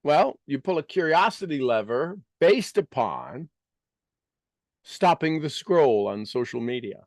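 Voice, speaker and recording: A man speaking as a business coach in a motivational talk, asking rhetorical questions and repeating phrases emphatically with deliberate pauses. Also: fairly high pitch, lively intonation, a little mellow, no echo, clean studio sound.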